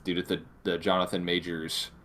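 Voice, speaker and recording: Low, halting man on a podcast. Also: flat delivery, fairly bright tone, slight background noise. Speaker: podcast co-host. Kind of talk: casual discussion of film news.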